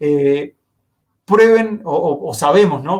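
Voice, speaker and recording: A man's voice with ordinary pitch variation. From Uruguay. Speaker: educational technology presenter. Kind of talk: online presentation. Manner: halting, many fillers and restarts.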